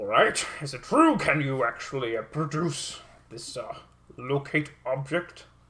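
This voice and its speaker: A man adopts a put-on character voice at a fairly high pitch. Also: fairly slow pace. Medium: actual play. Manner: blustery, stammering.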